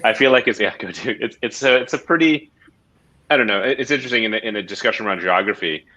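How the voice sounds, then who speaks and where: A man's voice: on the low side, fast, sharp tone. A man who grew up in the Philippines and Hong Kong, speaking hesitantly and reflectively on an investor panel. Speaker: venture capital firm leader. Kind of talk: panel discussion.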